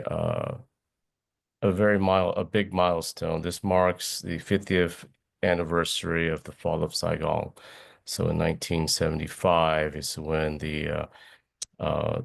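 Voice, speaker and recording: Man from Vietnam, 40s, deep gravelly voice, slow and halting. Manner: slow, halting with many fillers. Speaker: panelist, community association president. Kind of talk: panel discussion.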